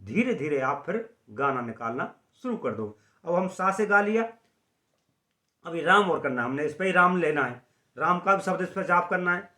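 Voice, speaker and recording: A man teaching a singing lesson at the harmonium, slowly explaining notes and singing short chant phrases. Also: a little high, expressive, sharp tone, reverberant. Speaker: music teacher.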